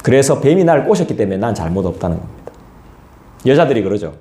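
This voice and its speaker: A male pastor, preaching an expository sermon in a lively, colloquial way and talking straight to the congregation. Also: mid-range voice, fast talker. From South Korea. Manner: lively, colloquial, acts out scolding voices and asides to the congregation. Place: church sanctuary. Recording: echoey church hall.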